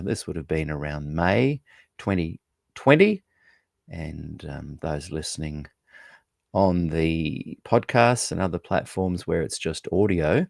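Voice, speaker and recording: A male podcast host with a very deep voice and a gravelly edge to it. He talks in a loose, chatty way, full of ums and restarts. The sound is dry and close, with no room in it. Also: no room sound. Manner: chatty, with frequent fillers and restarts. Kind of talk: casual spoken introduction.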